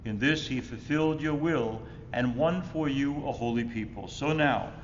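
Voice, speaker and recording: A man in his sixties, a Catholic priest reciting Mass prayers solemnly in measured phrases, recorded at the altar of a church. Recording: echoey church reverb, muffled, rumbling noise.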